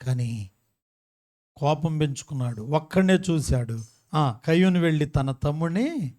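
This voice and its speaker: A male pastor delivers a sermon in a high voice. He keeps asking the congregation questions and answering them himself, repeating key words with emphasis. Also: expressive, measured pace, mellow. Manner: call-and-response questions to the congregation, emphatic repetition.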